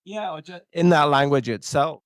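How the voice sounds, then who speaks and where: A man's voice: a little high, animated, normal speed, no room sound, studio quality. A man interviewing a student in a casual, affirming way.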